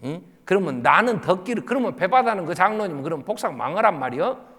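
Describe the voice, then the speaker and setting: Older pastor, high bright voice that swings all over, fervent sermon in an echoey church hall. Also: male voice, fast. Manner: fervent, animated preaching with sudden shouts. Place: church sanctuary.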